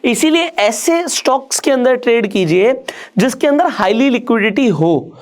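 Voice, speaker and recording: A man's voice: extremely high pitch, animated, moderate pace. A man, a stock market educator, giving an online trading tutorial, talking straight to the viewer and explaining step by step with rhetorical questions. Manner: conversational, addresses the viewer directly.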